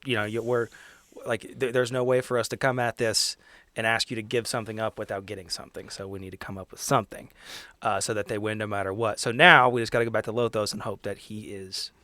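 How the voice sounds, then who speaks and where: A man playing a tabletop roleplaying game, improvising persuasive speeches in a casual, halting way. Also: lowish voice, level tone, pushed and bright, no room sound. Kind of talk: improvised in-character negotiation and table talk.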